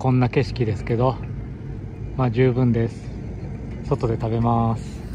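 The sound is dry with no echo. There is noticeable background noise. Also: man. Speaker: travel vlogger. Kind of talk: casual vlog chat. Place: waterside. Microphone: phone near.

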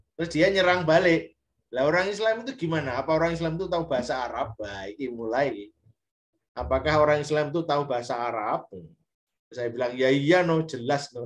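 With lively intonation and a fairly high pitch, a man talks at a fairly quick pace over a quiet background. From Jepara, Central Java. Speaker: university lecturer. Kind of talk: lecture. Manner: explanatory, code-switching Indonesian and English. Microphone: video call.

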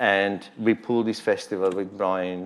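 A man with a fairly low pitch speaks in a monotone, flat intonation at a moderate pace. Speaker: event host. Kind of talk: formal introductions at a press conference. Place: hall. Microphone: podium.

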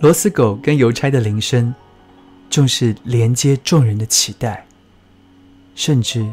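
A man talks at a very slow pace. Music sits in the background. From Taiwan. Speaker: author and storyteller reading his own picture book aloud. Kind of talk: picture-book reading aloud, storytelling narration. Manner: gentle, warm storytelling.

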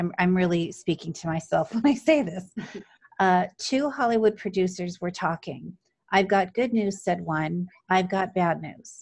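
A woman talks in a somewhat breathy voice, her pitch sitting at a medium level. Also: ordinary pitch variation, moderate pace, quiet background. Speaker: forum host and facilitator; forum host, facilitator. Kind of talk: interview-style conversation. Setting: online forum, video call. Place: home room. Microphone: earbuds.

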